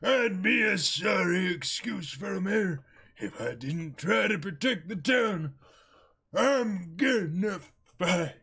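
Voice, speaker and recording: Gravelly old Southern mayor. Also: male voice, sits high, animated, slow, pushed and bright, voice pushed up, exaggerated voice. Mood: defiant. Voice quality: strained, gravelly. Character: stubborn old male small-town mayor, fiercely protective.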